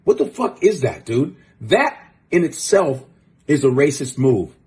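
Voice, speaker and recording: A man's voice: medium pitch, sing-song, a little slow, darkish tone. A man hosting a show, giving blunt, profane, fired-up commentary in casual talk. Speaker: host.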